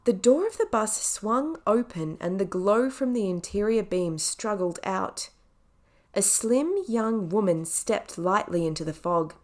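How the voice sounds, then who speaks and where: A woman's voice: medium pitch, expressive, measured pace. Woman narrating an audiobook.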